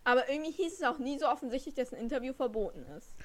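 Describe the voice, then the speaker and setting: Junge Frau mit hoher Stimme, plaudernd. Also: female voice, high voice, rapid-fire. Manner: chatty, hesitant, self-correcting. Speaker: podcast co-host. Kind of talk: casual chat.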